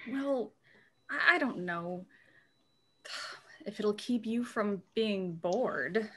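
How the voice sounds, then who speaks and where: A woman's voice: mid-range voice, lively intonation, very slow, bright, forceful tone, exaggerated voice. A woman playing a hesitant, motherly crook. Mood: placating. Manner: hesitant, placating, calls others sweetie. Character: cautious motherly female gang member nicknamed Soccer Mom. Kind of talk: amateur audio drama reading.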